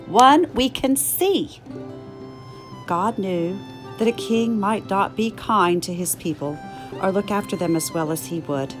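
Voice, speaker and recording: A woman reading a scripted children's Bible story expressively, acting out bits of dialogue as she narrates. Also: mid-range voice. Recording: clear music under the voice.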